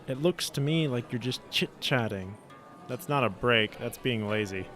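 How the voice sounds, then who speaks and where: A man's voice: medium pitch, expressive, moderate pace, fairly bright tone, faint music behind, close to an everyday voice. A man playing a curt, condescending diner manager in an audio drama. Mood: stern. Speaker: podcast drama actor.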